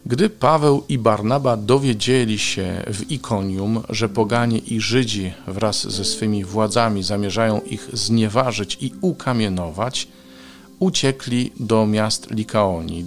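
A man, a Baptist preacher, hosting a morning devotional and reading scripture aloud in a calm, measured way. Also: on the low side.

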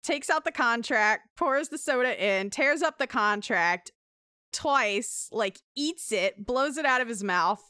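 Bright, crisp-voiced woman telling a story. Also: on the high side, a little slow, no echo, clean studio sound. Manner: animated storyteller, laughing often. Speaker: podcast host. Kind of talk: casual chat, recounting a wrestling segment.

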